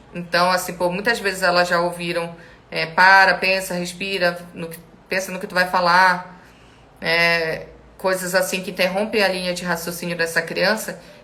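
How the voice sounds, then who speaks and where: A woman with a bright, sharp tone speaks at a medium pitch. Audible room echo surrounds her voice. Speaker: speech therapist. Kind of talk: live stream Q&A. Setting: live stream.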